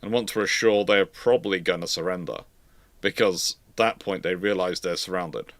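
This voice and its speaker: A man's voice: low-pitched, normal speed, fairly bright tone, no echo. A man hosting a casual live history question-and-answer talk, thinking aloud in a conversational way and posing questions to himself. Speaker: host, naval historian.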